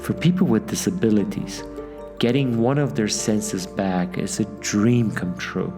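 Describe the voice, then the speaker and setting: A man narrating a documentary as its filmmaker, in a measured, explanatory way. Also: fairly low pitch. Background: loud background music.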